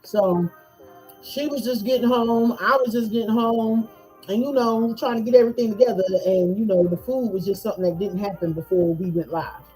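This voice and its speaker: A woman hosting a podcast, chatting casually with a guest in Black speech, loud, laughing, animated banter. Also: medium pitch, brisk, soft background music, poor audio. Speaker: podcast host. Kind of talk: casual chat. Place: home, eating on a livestream.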